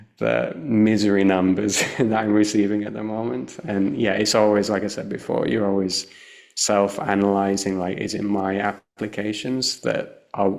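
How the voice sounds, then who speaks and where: Talking at a moderate pace, a man with a British accent has a fairly low pitch and ordinary pitch variation. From United Kingdom. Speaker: UX researcher. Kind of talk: interview answer.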